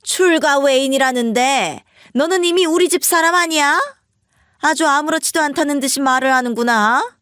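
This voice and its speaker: A storybook mother-in-law, sharp-tongued and scolding, played by a woman. She fires off reproaches in a lifted, higher tone. The voice is close and dry. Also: no room sound. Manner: scolding, rapid-fire reproaches.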